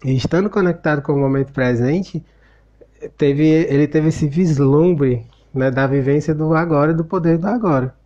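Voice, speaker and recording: A man's voice: a little high, normal speed, dark tone, highs cut off. A man with a Brazilian Portuguese accent, giving a casual spoken commentary on a book and retelling a film scene in a reflective, storytelling way.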